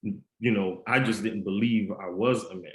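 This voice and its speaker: Interview guest: low-pitched man with a faint Haitian Creole accent, unhurried and earnest, recorded in a reverberant room. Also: fairly even intonation. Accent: slight Haitian Creole. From United States. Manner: measured, earnest storytelling. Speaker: guest, author and mentor. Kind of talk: podcast interview. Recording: roomy echo.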